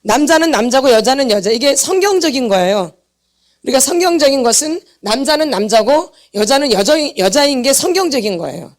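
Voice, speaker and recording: A woman with a high voice preaches at a church seminar. She repeats each point with force and throws short questions back to the congregation, then answers them herself. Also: very animated, brisk. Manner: emphatic, repeats points and quizzes the audience for answers. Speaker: pastor's wife teaching a healing seminar. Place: church meeting hall.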